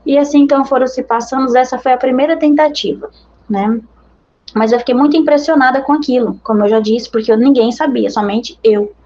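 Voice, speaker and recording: A woman's voice: high-pitched, brisk, a little mellow, highs cut off. A woman missionary with a Brazilian accent giving an earnest, conversational religious testimony to her brothers and sisters in faith.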